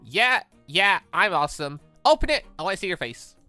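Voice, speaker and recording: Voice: medium pitch, very animated, brisk, sharp tone, no room sound, faint music behind. A gaming host voicing a frazzled, sleep-deprived young girl inventor in a visual novel, exasperated and boastful. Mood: proud, eager.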